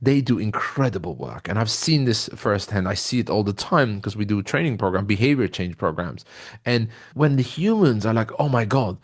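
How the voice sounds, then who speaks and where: Man, lowish pitch, interview guest, conversational storytelling and explaining, earnest, frequent tag questions. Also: sing-song, moderate pace. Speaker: interview guest, tech company founder.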